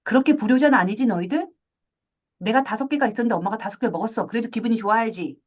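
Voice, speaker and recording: A woman teaching a math class, lively, asking questions and acting out little scenes. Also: fairly high pitch, very fast, lo-fi sound. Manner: animated, asks questions and acts out little scenes. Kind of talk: classroom lecture.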